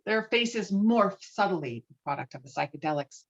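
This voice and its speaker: A woman's voice: fairly low pitch, lively intonation, moderate pace, muffled recording. A woman reading stage directions as scripted narration for a virtual table read, recorded over an online call. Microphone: online call microphone.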